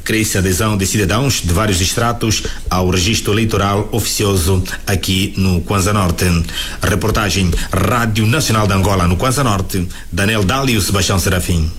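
A man with a fairly low voice reads a field report for the radio news. His delivery is formal and steady, and faint background noise sits under his voice. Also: moderate pace.

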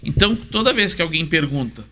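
Bright-voiced man. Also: fairly high pitch, big pitch swings, fairly quick, a little hiss or hum. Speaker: interview guest. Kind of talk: casual chat.

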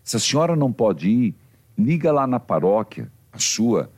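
A man's voice: medium pitch, big pitch swings, normal speed, a little mellow, breathy edge. A man with a Brazilian accent, a priest hosting a religious call-in radio show, talking in a pastoral, exhorting way.

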